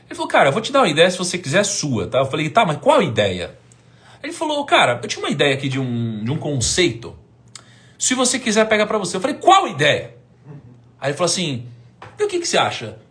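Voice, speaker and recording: A Brazilian man in his thirties tells a story from his own life on a live stream. He acts out old conversations in different voices, drops almost to a whisper, then bursts out loud and high. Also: wildly swooping pitch, fast. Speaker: host telling a personal story.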